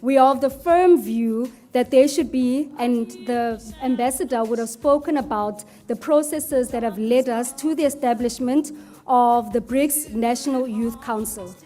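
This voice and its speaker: A woman's voice: fairly high pitch, unhurried, dark tone, soft background music. A woman speaking as a youth agency official, explaining earnestly. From South Africa.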